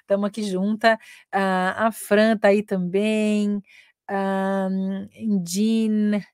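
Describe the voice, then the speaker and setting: Brazilian woman host, chatty teacher on a live stream, middle pitch, dry close sound. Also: a little mellow, no room sound. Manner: chatty and laughing, switching between Portuguese and English. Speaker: English teacher hosting a weekly live stream. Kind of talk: casual live-stream chat.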